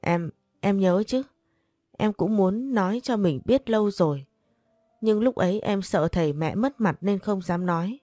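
A woman's voice: medium pitch, a little slow, warm tone, no echo, studio quality, faint music behind, close to an everyday voice. A woman narrator voicing a desperate middle-aged wife who begs her husband for forgiveness through sobs. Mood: pleading. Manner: begging, sobbing.

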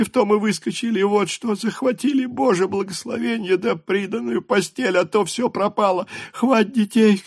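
A desperate townswoman wails and pleads through sobs, her voice thrown high and shrill, done by a male reader. It sits close and dry in an audiobook, with no room around it. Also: creaky, husky, dry recording, full character voice. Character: desperate sobbing townswoman, middle-aged mother. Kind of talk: audiobook character voice.

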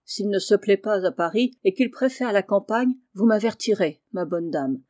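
A woman voicing a kindly, blunt middle-aged male farmer in an audiobook, speaking low and hushed. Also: normal speed, dry recording, clean studio sound, natural voice. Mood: gruff. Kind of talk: audiobook character reading.

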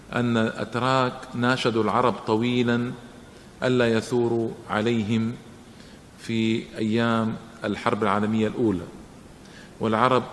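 A man's voice: medium pitch, fairly bright tone. A man giving a public lecture and answering questions, emphatic, with rhetorical questions and repetition for stress. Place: lecture hall. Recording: lecture hall with echo and faint noise.

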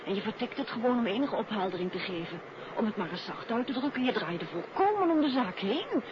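Casting: outspoken, teasing radio-play wife, fairly high and questioning; muffled, hissy 1950s recording. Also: female voice, sing-song, brisk, a crowd in the background. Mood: reproachful, teasing. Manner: questioning, playful, direct. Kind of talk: 1950s Dutch radio drama acting.

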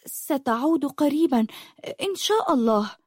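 A woman voicing a dreamy sixteen-year-old girl who speaks of the sea in a soft, poetic way. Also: on the high side, expressive, moderate pace, no room sound, clean studio sound, voice pushed up.

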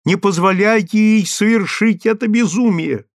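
A man's voice: normal speed, no echo, clean studio sound. A man voicing a sobbing, begging husband. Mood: pleading. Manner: tearful, imploring, voice rising high. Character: desperate pleading husband, middle-aged man, weak. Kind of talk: audiobook character reading.

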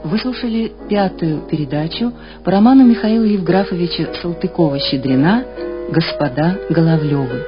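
A woman's voice: lowish voice, normal speed. A woman radio announcer reading a scripted programme outro. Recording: slightly dull radio recording over music. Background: plucked guitar-like music.

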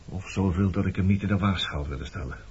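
A man's voice: sits low, brisk, darkish tone, husky. An actor playing a reserved, evasive former resistance man in a Dutch radio play, talking in a guarded way. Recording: muffled, noisy old radio recording.

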